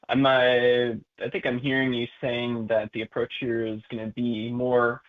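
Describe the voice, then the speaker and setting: Guy calling into earnings call w analyst questions, thin phone sound, mid pitch. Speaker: financial analyst asking questions. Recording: thin, tinny phone line.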